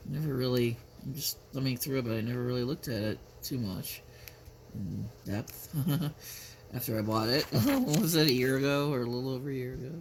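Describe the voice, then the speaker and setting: A man in his fifties vlogging casually, talking in a halting, musing, rambling way. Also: medium pitch, vocal fry. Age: 50s. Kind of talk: casual chat. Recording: noticeable background noise.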